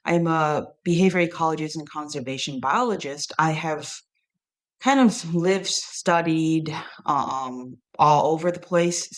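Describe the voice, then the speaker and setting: A woman from Taiwan, a guest who works as a zoo research curator, introducing herself in a measured way with occasional "um". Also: sits low. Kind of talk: interview self-introduction.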